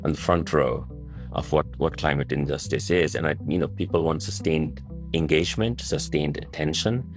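A man's voice: extremely low pitch, moderate pace, soft background music. A journalist guest in an interview, answering thoughtfully and filling his speech with "you know" and "right". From Nepal.

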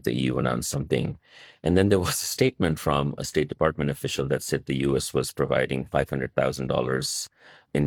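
A man's voice: rumbling low, no echo, studio quality. A journalist guest in an interview, answering thoughtfully and filling his speech with "you know" and "right". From Nepal.

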